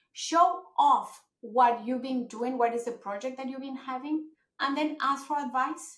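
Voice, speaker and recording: In a Mexican accent, a woman speaks at a fairly slow pace. Her voice is high, with ordinary pitch variation. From Mexico (Mexico City). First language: Spanish. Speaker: marketing executive. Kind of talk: podcast interview.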